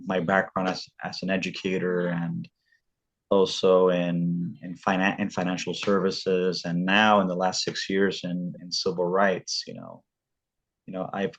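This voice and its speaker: A man with a very low, deep voice hosts a casual interview, stumbling and repeating words as he goes. The recording sounds dull and lo-fi. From Southern California. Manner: halting, repeats words often. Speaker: podcast host.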